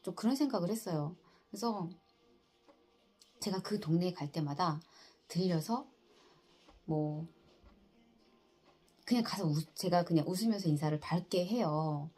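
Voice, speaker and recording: A middle-aged woman who works in insurance, telling a personal story in a soft, earnest and halting way, with many fillers. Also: fairly low pitch, breathy edge, faint music behind. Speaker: insurance agent.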